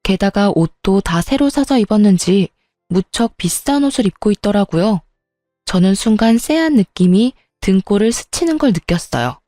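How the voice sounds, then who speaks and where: A woman's voice: mid-range voice, lively intonation, normal speed, mellow, no room sound, studio quality, faint music behind. A woman narrating her own story in the first person, in a plain, confiding way.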